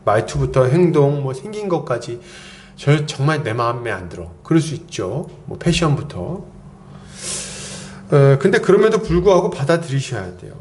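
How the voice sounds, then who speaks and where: A man's voice: mid-range voice, sing-song, normal speed, a little mellow, slight background noise. A man preaching a sermon in a chatty way, acting out quoted lines and often chuckling. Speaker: pastor.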